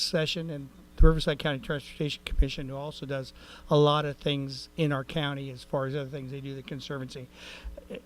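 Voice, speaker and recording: A man giving a rambling, folksy report at a city council meeting, with many fillers and restarts. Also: a little high. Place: council chamber.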